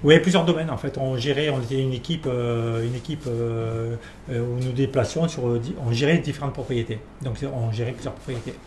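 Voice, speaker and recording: A man's voice: mid-range voice, fairly even intonation, brisk, a little mellow. Hesitant man, roomy echo. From Perpignan, France. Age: 40s. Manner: hesitant, many fillers and restarts. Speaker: winemaker guest. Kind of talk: casual interview. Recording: echoey room with faint ambience.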